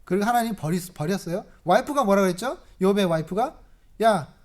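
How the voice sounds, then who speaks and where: A preacher giving a sermon, emphatic and lively, constantly asking the congregation questions. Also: mid-range voice, fast. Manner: asks the congregation many rhetorical questions; lively, emphatic, rises in volume on key points.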